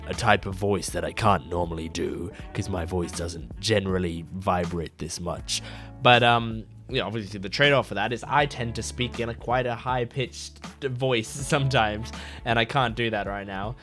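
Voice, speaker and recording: Sick-sounding man with a gravelly, raspy voice. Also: lowish voice, moderate pace, faint music behind. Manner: rambling, many fillers, excited exclamations while watching. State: sick with a lost, gravelly voice, coughing. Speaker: anime reaction YouTuber. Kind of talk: casual chat to camera, reacting to an episode.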